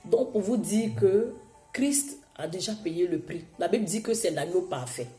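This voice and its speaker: A woman preaching a sermon, hoarse from a cold, exhorting her listeners with emphatic repetition. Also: lowish voice, expressive, moderate pace, mellow, reverberant, faint music behind.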